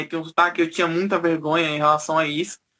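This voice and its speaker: A man speaks in a northeastern Brazilian accent at a fairly high pitch. His tone is bright and sharp, his intonation monotone and flat. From Brazil, Pernambuco (Northeast). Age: 20s. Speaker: young adult who left youth shelter care. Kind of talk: interview testimony. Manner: hesitant, many fillers.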